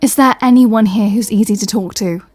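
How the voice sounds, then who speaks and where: A woman's voice: mid-range voice, moderate pace, a little mellow, no echo, natural voice. A woman playing a sardonic, fed-up superhero in a comedy audio roleplay, speaking in a dry way. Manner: dry, irritated, sarcastic.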